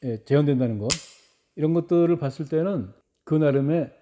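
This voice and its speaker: A man's voice: a little high, fairly quick, mellow, slight background noise. A middle-aged man giving a casual product review narration. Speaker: replica gun reviewer.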